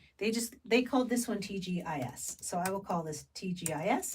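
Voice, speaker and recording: A woman with a normal speaking voice talks fairly quickly at a medium pitch, her intonation lively. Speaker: voice actor. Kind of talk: casual talk to camera. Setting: studio.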